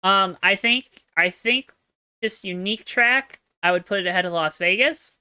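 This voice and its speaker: A woman's voice: mid-range voice, moderate pace, bright, forceful tone, smooth, no room sound. A young adult woman co-hosting a podcast, chatting casually in a chatty, self-deprecating, joking way. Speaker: podcast co-host. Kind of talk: casual chat.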